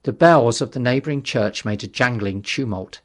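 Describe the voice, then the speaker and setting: In a mid-range voice, a man narrates a literary audiobook, telling the story in a measured, dramatic manner.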